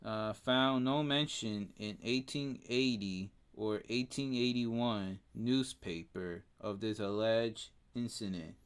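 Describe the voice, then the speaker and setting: A man co-hosting a casual podcast reads facts haltingly, stumbling over names and using many fillers; he is a native Spanish speaker with a Spanish accent. His voice is on the low side with a clean tone.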